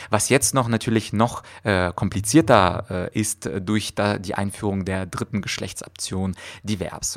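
Gravelly man. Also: lowish voice. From Russia. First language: Russian. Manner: thoughtful, many hesitations with "äh". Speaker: podcast host. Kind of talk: explanatory podcast monologue.

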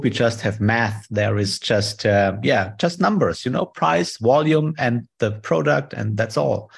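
A man from Germany with a German accent, speaking English as a second language. He presents a live online trading session and talks friendly and haltingly through charts, with many fillers, over a video call. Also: medium pitch, gravelly, breathy edge.

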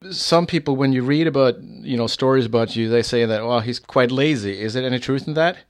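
A man's voice: medium pitch, brisk. A man with a Swedish accent who speaks Swedish natively, hosting an interview podcast and asking plain questions with some fillers. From Sweden. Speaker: podcast host.

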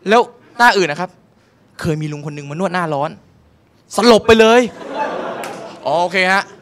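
A man's voice: high voice, animated, normal speed, noisy background. A young man telling a crude, exasperated stand-up story on a comedy stage, swearing often and acting out the people in it.

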